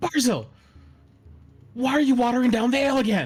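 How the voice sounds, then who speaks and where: Over music in the background, a man shouts in a shrill, put-on character voice of extremely high pitch, moving at a fairly quick pace with ordinary pitch variation. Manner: yelling, scolding.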